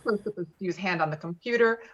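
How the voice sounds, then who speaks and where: Reading stage directions from a screenplay at a brisk pace, a woman with a lowish voice takes part in a remote table read over a video call. The call audio is lo-fi and dull.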